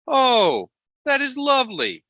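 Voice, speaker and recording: A prim, overly courteous old-fashioned Amish man in a high, sing-song voice that is bright and sharp. He talks slowly and sweetly, and every line sounds dry and close. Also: wildly swooping pitch, dry recording, full character voice. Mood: genteel.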